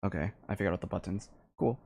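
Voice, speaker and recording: A man livestreaming a game, chatting casually in a halting, rambling way into a close microphone. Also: deep voice, vocal fry, darkish tone, dry recording.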